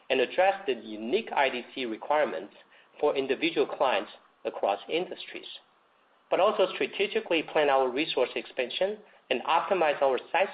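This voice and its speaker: Man reading formally on dull lo-fi audio. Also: mid-range voice. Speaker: company executive. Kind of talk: scripted earnings call presentation, read aloud. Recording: dull lo-fi conference call audio.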